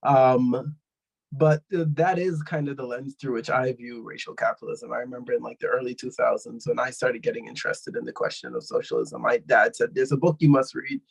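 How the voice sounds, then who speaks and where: A man's voice: mid-range voice, brisk, creaky, husky, low-quality recording. A young man from Guyana, speaking as a panelist in an online discussion and explaining his ideas thoughtfully with frequent fillers.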